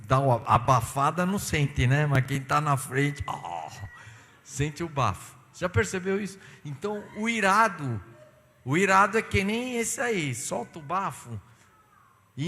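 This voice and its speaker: A male pastor delivers an animated sermon, telling stories and acting out dialogue. His voice is bright and slightly high. The sound carries a long church hall reverb. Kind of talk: sermon with personal anecdotes. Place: church sanctuary.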